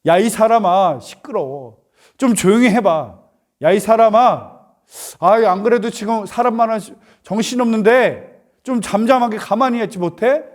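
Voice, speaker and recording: A man voicing an annoyed crowd of bystanders who scold a blind beggar to be quiet. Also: sits high, normal speed, voice pushed up, natural voice. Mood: irritated. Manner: scolding, impatient.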